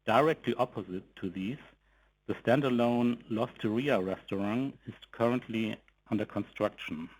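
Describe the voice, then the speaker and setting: Slightly low-voiced man presenting company results. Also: darkish tone, rough recording. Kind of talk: scripted presentation on an investor conference call.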